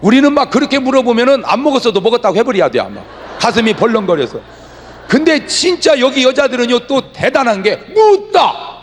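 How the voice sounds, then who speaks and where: A man preaching a revival sermon from the pulpit, humorous and animated, drawing answers back from the congregation. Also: very high voice, a little fast, a little hiss or hum. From Chungcheong, Korea. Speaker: pastor. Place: large church revival meeting. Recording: echoey hall reverb.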